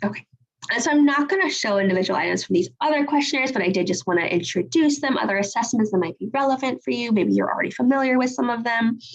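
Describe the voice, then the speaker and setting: A woman talks at a very fast pace with a fairly high pitch. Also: lively intonation. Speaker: psychologist presenting research. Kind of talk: lecture.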